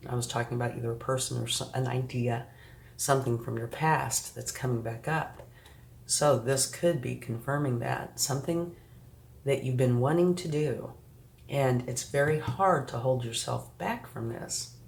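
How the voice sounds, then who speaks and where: A woman's voice: extremely low pitch, steady tone, moderate pace, vocal fry. A woman giving a tarot reading straight to the viewer, reassuring and sniffly from a recent flu. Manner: reassuring, addresses the viewer directly, frequent "okay" and "right". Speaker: tarot reader. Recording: echoey room with faint background noise.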